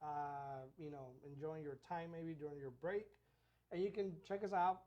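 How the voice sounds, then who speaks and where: Relaxed man with a mellow voice. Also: on the high side, moderate pace, dull audio. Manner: relaxed, repeats himself, filler-heavy. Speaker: real estate agent and podcast co-host. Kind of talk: casual podcast chat.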